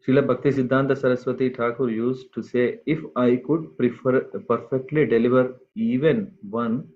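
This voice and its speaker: A man giving a scripture class to a group, speaking unhurriedly and pausing often with fillers. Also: mid-range voice, steady tone. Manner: unhurried, halting with many fillers. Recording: tinny phone-like line.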